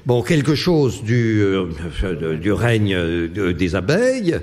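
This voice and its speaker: A man's voice: fairly low pitch, big pitch swings, takes it slowly, a little mellow, slight background noise. A man posing word riddles to a live audience, reading clue words one at a time and bantering with the crowd between puzzles. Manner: reads clue words one by one, then chats and teases the audience.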